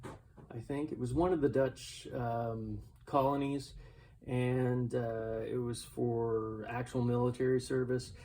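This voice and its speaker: A man's voice: medium pitch, level tone, slow, warm tone. An older man giving a casual, unscripted show-and-tell of secondhand finds, rambling and self-deprecating as he goes. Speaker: collectibles reseller showing a garage sale haul. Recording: clearly noisy home recording with clicks.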